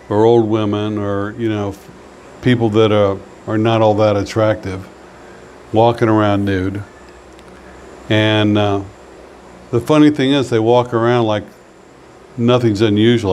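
Low-voiced older man telling cruise stories. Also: a little mellow, a little hiss or hum. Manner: chatty and wry, with frequent fillers. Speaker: former cruise ship entertainment host. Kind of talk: casual storytelling to camera. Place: small room indoors by a window.

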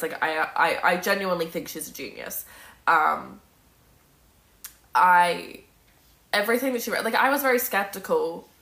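A woman's voice: lowish voice, pushed and bright. A woman in her twenties chatting casually on a livestream, answering comments in an emphatic, sweary, opinionated way. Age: 20s. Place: indoor room at home with bookshelf. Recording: roomy echo from phone mic.

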